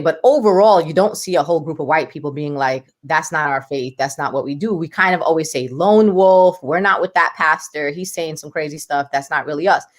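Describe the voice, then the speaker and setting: A woman, speaking as a guest in an interview, talking with passion and emphasis. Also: deep voice. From United States. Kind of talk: podcast interview.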